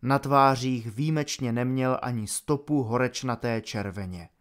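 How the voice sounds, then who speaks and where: Give me a man narrating a fantasy audiobook in a measured, dramatic reading. His voice sits at an ordinary middle pitch and carries the story steadily.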